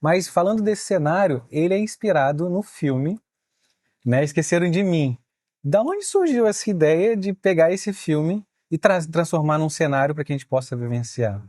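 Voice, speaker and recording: A Brazilian man hosts an interview podcast, his voice a touch higher than most men's. He asks his questions in a quick, friendly way. The recording is close and dry. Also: animated, a little mellow, no room sound. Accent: Brazilian Portuguese. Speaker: podcast host.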